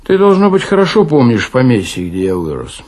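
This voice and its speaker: A man's voice: mid-range voice, wildly swooping pitch, fairly quick, a little mellow, voice pushed up. A man voicing a gloomy, prematurely aged café drinker in a literary radio play, telling his story in a melancholy, confessional way. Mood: melancholy, reminiscing.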